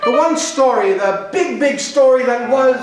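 A middle-aged man gives a dramatic, incantatory poetry reading in a very echoey gallery. He speaks slowly and deliberately, repeating phrases like a chant. An electric guitar plays clearly behind his voice, picked up from a distance. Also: extremely high pitch. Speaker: poet reading his own work. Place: small indoor art gallery before an audience. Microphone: distant camera. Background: electric guitar with effects.

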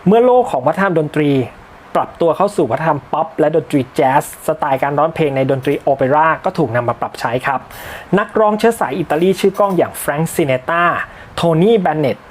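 Male history narrator, fairly high voice, relaxed and polite delivery, light background hiss. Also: fairly quick. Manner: relaxed, polite, with small slips and fillers. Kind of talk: informal history lecture.

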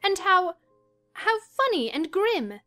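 A woman voicing a lively, teasing young girl of the gentry in a dramatized audiobook, exclamatory and blunt. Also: extremely high pitch, slow pace, no room sound, soft background music, voice pushed up, exaggerated voice. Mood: amused, teasing. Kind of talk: dramatized audiobook character reading.

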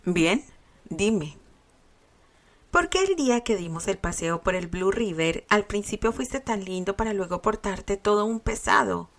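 A woman's voice: medium pitch, expressive, unhurried. A woman reading a fan story aloud and voicing a sweet, bashful, curious young girl. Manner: earnest, shy.

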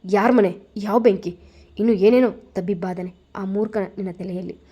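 A woman's voice: mid-range voice, steady tone, moderate pace, mellow, husky, close to an everyday voice. A woman voicing an angry, scheming middle-aged father in a spoken story, speaking indignantly.

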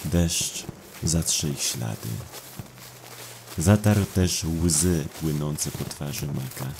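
Mężczyzna, narrator słuchowiska grozy, opowiada ponuro i miarowo. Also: male voice, a bass voice, darkish tone, a little hiss or hum. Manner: somber, measured storytelling. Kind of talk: scripted horror audio drama narration. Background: music.

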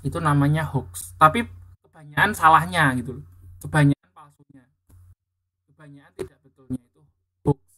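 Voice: medium pitch, moderate pace, pauses often, sharp tone. A teacher from Indonesia giving an English lesson, patiently explaining words and correcting pronunciation, repeating them again and again.

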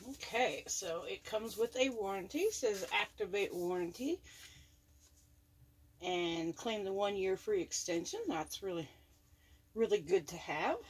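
A woman's voice: medium pitch, animated, unhurried, pauses often, slight background noise. A woman giving a chatty, upbeat unboxing review of a tool in her home workshop, talking from behind the camera. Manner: chatty, upbeat, repeats praise. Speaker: product reviewer.

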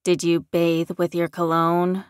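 A woman's voice: fairly low pitch, monotone, unhurried, clear, resonant tone, no echo, studio quality, lightly acted. Woman acting an angry, combative young man. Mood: irritated. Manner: combative, demanding, sarcastic. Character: angry, sick, accusing young man turned werewolf.

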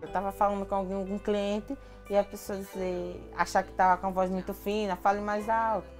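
A woman's voice: mid-range voice, monotone, a little fast, a little mellow, soft background music. A woman giving a plain personal interview testimony as a patient.

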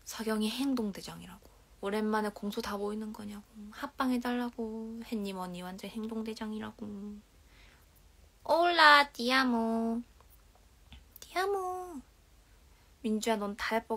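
A young Korean woman in her twenties with a regional dialect accent hosts an idol livestream from a dim bedroom, her phone held at arm's length. Soft-spoken and chatting casually, she reads comments aloud and drifts into whispers and giggles. Her voice is a little high and animated, at a measured pace.

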